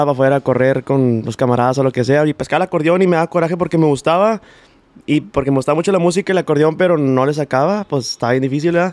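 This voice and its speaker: Very fast and very even in loudness, a man speaks in a dry sound with no echo. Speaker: band singer and leader; interview guest. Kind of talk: casual interview chat. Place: studio. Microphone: studio mic.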